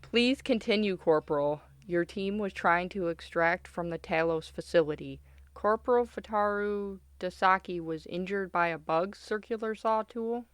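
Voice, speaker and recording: A woman's voice: mid-range voice, normal speed, smooth, no room sound, natural voice. A woman performing a cold military doctor in a radio drama, recorded very dry. She is clipped, commanding and insistent, pressing her subject without sympathy. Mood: cold, clinical. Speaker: doctor leading an interrogation. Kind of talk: radio play acting.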